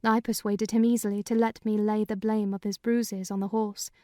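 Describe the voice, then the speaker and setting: A woman giving a dramatized first-person reading of a classic novel in measured, clear storytelling. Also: medium pitch, little pitch movement, dark tone, no echo, studio quality. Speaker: reader of a novel.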